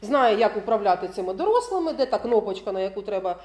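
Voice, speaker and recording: A woman's voice: medium pitch, big pitch swings, quick pace, a little mellow. A woman giving a lecture to parents, often laughing and checking that listeners follow along. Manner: keeps checking in with the audience; laughs often while talking.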